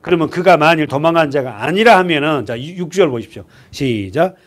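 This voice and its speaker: Lively male pastor quizzing his congregation. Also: brisk. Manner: drops to a hushed low voice for grim points. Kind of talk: expository sermon. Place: church sanctuary.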